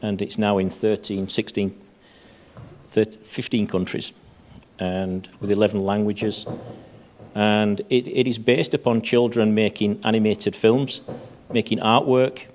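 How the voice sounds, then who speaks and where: Man, panelist, halting delivery, low-ish pitch, conference stage. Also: flat delivery, darkish tone. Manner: halting, repeats words often. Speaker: panelist, head of safety.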